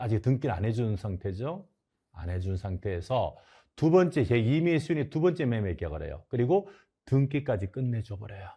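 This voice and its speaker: A man with a dark, mellow, somewhat breathy tone speaks at a moderate pace with very wide pitch swings and big swings in loudness. The background is quiet. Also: medium pitch for a man. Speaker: exam prep lecturer. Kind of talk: lecture. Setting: studio.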